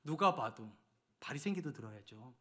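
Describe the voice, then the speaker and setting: A middle-aged man preaching a Sunday sermon as senior pastor. He swings between loud, urgent pleading and hushed near-whispers. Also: mid-range voice, animated, moderate pace.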